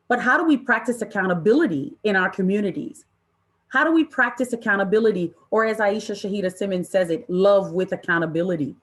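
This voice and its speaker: A woman presenting an interactive online training session in an impassioned, deliberate way, with emphatic repetition and rhetorical questions. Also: mid-range voice. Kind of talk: impassioned interactive workshop talk to an online audience.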